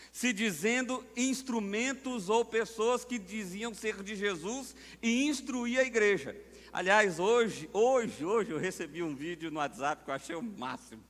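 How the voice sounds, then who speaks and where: A man's voice: high-pitched, sharp tone. A man with a Brazilian accent, a pastor preaching a sermon in a conversational way, throwing out rhetorical questions and breaking into sudden emphatic rises. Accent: Brazilian Portuguese. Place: church sanctuary. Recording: long hall reverb of a church.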